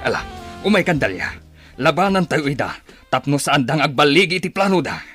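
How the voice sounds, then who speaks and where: A man's voice: on the high side, sing-song, a little fast. An actor in an Ilocano radio drama playing an embattled, commanding tribal chief and father. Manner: commanding, rallying. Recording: loud music bed behind voice.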